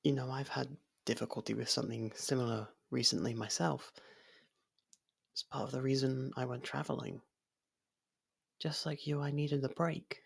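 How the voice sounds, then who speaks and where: A performer voicing a gentle, lovestruck faerie in an intimate ASMR roleplay, breathy and half-whispered, speaking in a hesitant, halting way. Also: medium pitch, steady tone. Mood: wistful, hesitant. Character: soft-spoken, lovestruck young faerie royal, shy, possessive.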